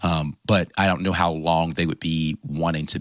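Very deep and low in pitch, a man's voice shows vocal fry in a dry, close sound with no echo. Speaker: sports show host. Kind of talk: live stream chat with viewer comments. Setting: indoor live stream. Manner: casual, animated.

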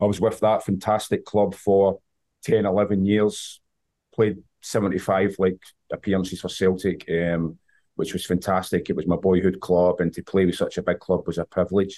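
This man's voice is very deep and low, with a dark, mellow tone and a monotone, flat delivery. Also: moderate pace. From Scotland. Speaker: goalkeeping coach. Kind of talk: casual interview. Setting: video call.

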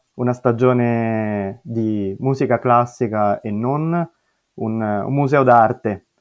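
In a Roman accent, a man speaks at a medium pitch. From Rome, Italy. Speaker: bookseller. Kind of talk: interview.

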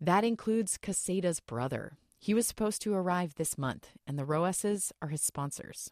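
An ordinary speaking voice with lively intonation moves at a moderate pace with hardly any pauses, in a very clean recording with a silent background and a dry, close sound with no echo. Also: woman, fairly low pitch for a woman. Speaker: radio reporter. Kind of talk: scripted narration.

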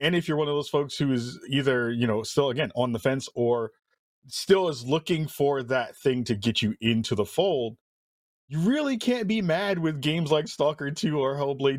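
In a very clean recording with a silent background, a man with an unremarkable speaking voice talks at a moderate pace, his fairly high pitch moving in lively intonation. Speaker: gaming podcaster. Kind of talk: casual chat.

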